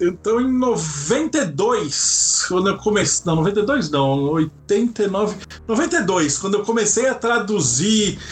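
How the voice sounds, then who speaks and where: Over noticeable background noise, a man with a high voice talks with very wide pitch swings, very even loudness and hardly any pauses. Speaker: RPG author and mythology encyclopedist. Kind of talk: casual interview.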